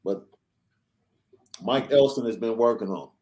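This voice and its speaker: A young adult man hosting a casual sports podcast, reading through news in an energetic, chatty way. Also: on the low side, a little slow. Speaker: podcast host.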